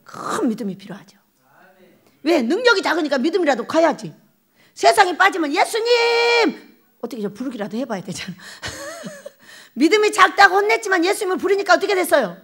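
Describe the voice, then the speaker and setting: Woman pastor, high and swooping voice; animated folksy sermon with questions to the congregation. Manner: acts out quoted voices with laughter. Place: prayer retreat sanctuary.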